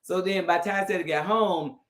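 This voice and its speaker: A woman co-host telling a story in a casual, animated way, laughing often and restarting her sentences. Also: lowish voice, fairly quick, reverberant. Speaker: podcast co-host.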